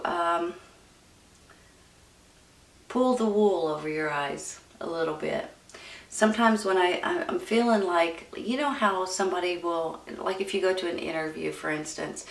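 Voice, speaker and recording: A woman with a lowish, gravelly voice gives a casual, conversational tarot reading as host, talking directly to her viewers, calling them "you guys" and seeking their agreement. The mic is distant, giving a roomy echo.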